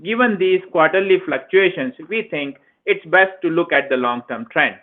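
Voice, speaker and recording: Guy with a kinda high voice reading company financials formally, tinny phone call sound. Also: expressive, moderate pace. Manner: formal, reading prepared remarks. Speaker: finance executive. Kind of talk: scripted earnings call presentation. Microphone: conference call phone line. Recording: tinny narrowband phone line.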